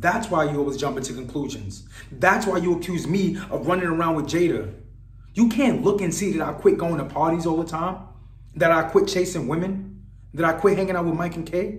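Audible room echo surrounds a man speaking at a moderate pace and high pitch, with ordinary pitch variation. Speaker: actor performing a monologue. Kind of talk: dramatic acting monologue. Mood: hurt, frustrated, pleading. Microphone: camera far.

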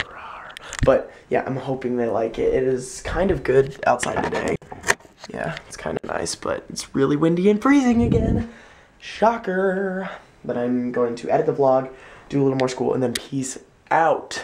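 A man talks at a moderate pace. Background noise is noticeable behind him. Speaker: vlogger. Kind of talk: casual vlog chat. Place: home room. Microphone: phone near.

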